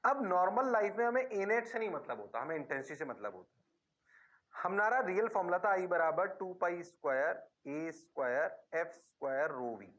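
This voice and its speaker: Dragging out his words in a high-pitched, sing-song, slightly bright voice at normal speed, a man lectures on physics in a classroom with an Indian accent. He playfully supplies the students' answers himself.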